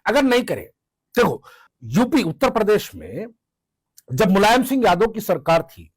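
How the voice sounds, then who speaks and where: A man's voice: high voice, wildly swooping pitch, measured pace, breathy edge, no echo. A man giving impassioned political commentary, fiery and sarcastic, full of rhetorical questions.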